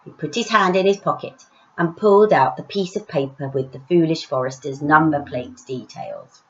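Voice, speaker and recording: A woman author reading her own story aloud in an expressive children's storytelling style. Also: low voice, normal speed, highs cut off.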